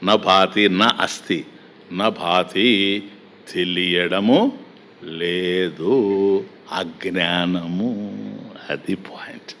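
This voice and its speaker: A man teaching a spiritual discourse, chanting verses slowly and then explaining them in a conversational way, speaking directly to his listeners. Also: low voice, a bit bright, slight background noise. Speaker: Vedanta teacher.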